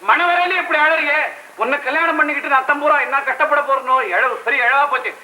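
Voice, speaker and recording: A boastful young groom in an old film, whining and sneering at everyone. His voice sits very high and runs fast. The sound is roomy, with loud music under it. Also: steady tone, a little hiss or hum, exaggerated voice. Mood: grumbling. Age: 20s. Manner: whiny and sarcastic.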